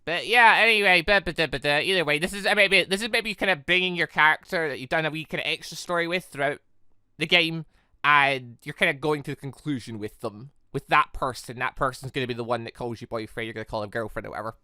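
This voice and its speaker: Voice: mid-range voice, fast talker, pushed and bright, no echo, studio quality. A gaming video host giving casual, rambling commentary, chatty and digressive, often doubling back to correct what was just said.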